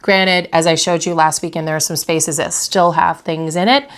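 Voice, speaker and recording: A young adult woman hosting a vlog from her bedroom, speaking slightly nasally because of a head cold, in a calm, reflective coaching tone that asks the viewer direct questions. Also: sits low, normal speed. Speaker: vlog host and interior designer. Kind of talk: motivational talk to camera.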